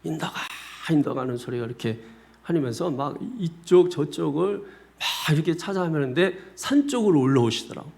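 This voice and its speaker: A male pastor delivers a sermon in a church sanctuary, weaving in personal stories. His voice sits a little high for a man and swings widely in pitch. He keeps turning to address his listeners directly. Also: moderate pace, vocal fry. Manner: animated storyteller, often addressing the congregation directly. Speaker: senior pastor.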